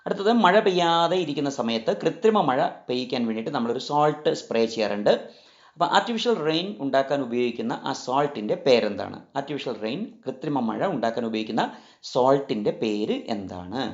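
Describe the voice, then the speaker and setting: A man's voice: medium pitch, expressive. A man running a chemistry quiz lesson, who repeats each question and mixes languages as he coaxes listeners toward the answer. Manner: repeats each question, switches between languages, coaxing pauses. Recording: roomy, slightly dull sound with faint music.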